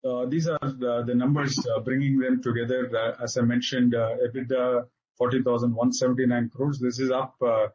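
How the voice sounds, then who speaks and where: A man with an Indian accent delivers a corporate results presentation on a dull, lo-fi conference call. His voice is slightly rough and husky at a medium pitch. He speaks haltingly, padding his phrases with frequent filler sounds as an executive walking through figures. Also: flat delivery, a little mellow.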